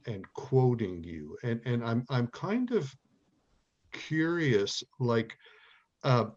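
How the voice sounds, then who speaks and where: A man moderating an online panel discussion. He talks in a halting way, full of "uh" and "um" and restarts. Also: lowish voice, darkish tone, lo-fi sound.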